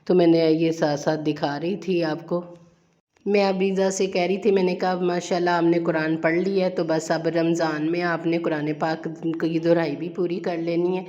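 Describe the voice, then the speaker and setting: Low, flat-voiced woman chatting while cooking. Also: dull audio. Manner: chatty, homely, repeats herself warmly. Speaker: vlogger. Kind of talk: casual chat while cooking. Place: home kitchen, indoors.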